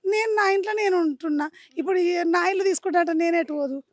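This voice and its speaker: A woman's voice: very high voice, quick pace. A widowed woman with a Telangana Telugu accent pleading in despair during a street interview. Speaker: widowed resident.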